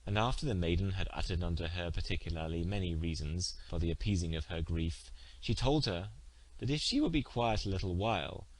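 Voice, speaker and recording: Low-voiced man narrating an old tale. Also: dry recording, poor audio. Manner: formal, measured storytelling. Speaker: audiobook narrator.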